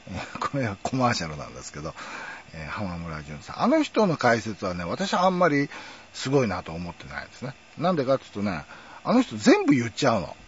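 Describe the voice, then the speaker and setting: A man's voice: fairly low pitch, wildly swooping pitch, quick pace. A middle-aged man with a Kansai accent, reminiscing in a rambling casual monologue with chuckling asides. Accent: Kansai Japanese. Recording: dull lo-fi recording.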